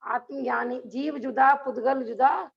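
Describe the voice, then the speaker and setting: A woman's voice: high-pitched, fairly even intonation, measured pace, creaky, slightly rough, highs cut off. A woman teaching a religious class who keeps asking the listeners rhetorical questions and laughs between points. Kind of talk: lecture to a class.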